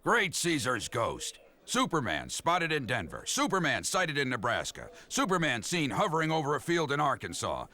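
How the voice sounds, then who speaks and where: A man voicing a gruff, exasperated American newspaper chief in a motion comic, blustering and incredulous. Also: mid-range voice, wildly swooping pitch, normal speed, few pauses, pushed and bright, full character voice. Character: gruff, exasperated male newspaper chief, middle-aged or older.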